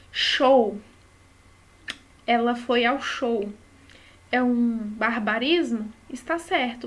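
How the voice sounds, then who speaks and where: A woman with a Brazilian Portuguese accent teaching a study lesson, explaining patiently and often checking in with short tag questions. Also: fairly high pitch.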